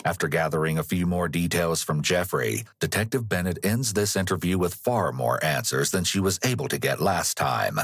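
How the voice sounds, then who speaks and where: A man narrating a crime podcast in a measured, explanatory scripted read. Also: low-pitched, expressive, fairly bright tone, breathy edge, no room sound, studio quality.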